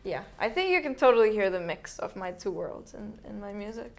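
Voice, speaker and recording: Young woman singer, guest, Finnish-born, chatty and upbeat, mid-pitched voice. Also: lively intonation, fairly quick. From Finland. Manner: upbeat, laughs often, says "like" a lot. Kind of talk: casual interview answers.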